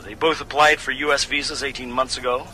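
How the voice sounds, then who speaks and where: A man's voice: medium pitch, little pitch movement, brisk, pushed and bright, slight background noise. An actor playing a matter-of-fact male informant, giving a clipped report in a radio drama. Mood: businesslike. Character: brisk male informant reporting a background check.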